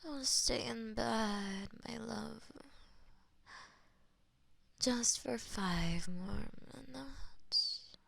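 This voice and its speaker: A woman playing a possessive, lovestruck goddess of death in an intimate romantic audio roleplay, with a breathy, theatrical delivery that often drops to whispers. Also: a little high, very slow, long pauses, fairly bright tone, dry recording, full character voice. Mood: drowsy affection.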